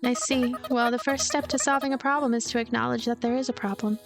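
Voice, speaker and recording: A blunt girl heroine with a fairly high voice, read by a woman. She grumbles drily through her lines in a story game over soft music. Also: fairly even intonation, fast talker, close to an everyday voice. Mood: dry. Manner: dry, grumbling.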